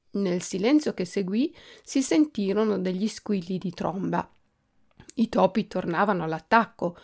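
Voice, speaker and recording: A woman reading a children's storybook aloud with an expressive, animated delivery. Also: medium pitch, creaky. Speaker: podcast host reading aloud.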